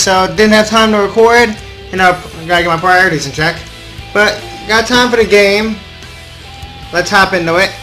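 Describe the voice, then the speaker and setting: A man's voice: high voice, sharp tone, rough recording. A young adult man hosting a casual gaming video, reading story text aloud informally with offhand asides and the occasional stumble.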